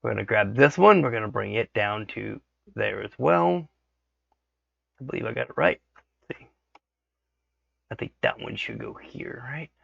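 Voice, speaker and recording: A man with a hoarse voice from a lingering cold walks through a tutorial at his computer. His voice is gravelly and bright. The recording is dry and dull, like a cheap desk mic. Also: mid-range voice, lively intonation, normal speed, long pauses, no echo. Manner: thinks aloud, frequent "okay" checks. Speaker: 3D modeling tutorial host. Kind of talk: casual screen-recorded tutorial.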